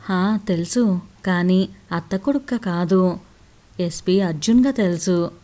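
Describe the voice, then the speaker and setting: A woman voicing a caring older brother, a strict police officer, who explains things gently and calmly in an audio story. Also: medium pitch, close to an everyday voice.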